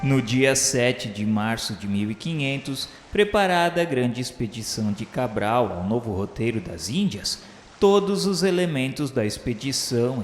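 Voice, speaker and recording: A man's voice: medium pitch, slight background noise. A man with a Brazilian accent reading a solemn, literary radio novela narration in a formal, reverent, declamatory manner. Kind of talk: solemn scripted literary narration of a spiritual history. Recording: echoey reverberant hall sound, music underneath. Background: background music.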